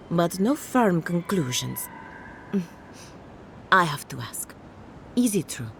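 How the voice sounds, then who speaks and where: Chatty undead-farm lady in a fantasy game, blithe and wry, very swoopy delivery, faint noise behind. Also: mid-range voice. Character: chatty, morbidly cheerful female necromancer farmer. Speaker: game character. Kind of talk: scripted video game dialogue.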